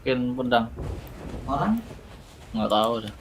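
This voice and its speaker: A man's voice: mid-range voice, lively intonation, slow pace, slightly rough. A man on voice chat as a gaming teammate, teasing and singing in a mocking drawl. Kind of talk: casual voice chat. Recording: very noisy voice chat line.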